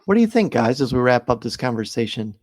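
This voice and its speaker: A man's voice: mid-range voice, very animated, fast talker, a little mellow, no room sound, clean studio sound. A middle-aged man hosting a casual fan discussion in an enthusiastic way. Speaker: podcast host.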